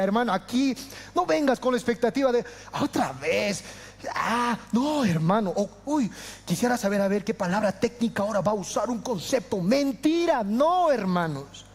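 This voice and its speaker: High-voiced impassioned pastor in reverb. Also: male voice. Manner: impassioned, swinging from loud to hushed. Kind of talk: sermon.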